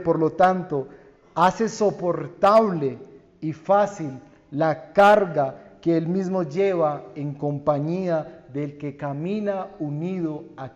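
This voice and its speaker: Slow, earnest Colombian pastor preaching. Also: male voice, on the high side. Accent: Colombian Spanish. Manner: slow, earnest preaching with swells and hushed endings. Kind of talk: sermon. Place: church sanctuary. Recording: dull church recording with long reverb.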